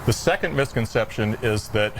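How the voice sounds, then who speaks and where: A man's voice: fairly low pitch, expressive, normal speed, vocal fry, noisy background. A man speaking as a sports instructor and interview guest, explaining things conversationally.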